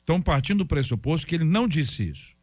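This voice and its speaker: A man's voice: fairly high pitch, big pitch swings, very fast, a little mellow, no echo. Joking man in church talk chat. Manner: joking, conversational, self-deprecating.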